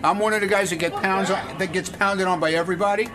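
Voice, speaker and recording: A man's voice: high-pitched, fairly even intonation, fast. A man being interviewed casually, talking in a blunt, irritable and repetitive way with some swearing. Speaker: radio show staff member being interviewed. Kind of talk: casual, profane interview talk. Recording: noisy on-location interview sound.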